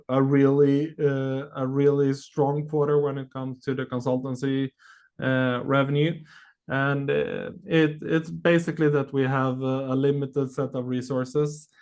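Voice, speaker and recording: A man answering questions as a company executive on an earnings call, speaking haltingly with many long filled pauses. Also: medium pitch.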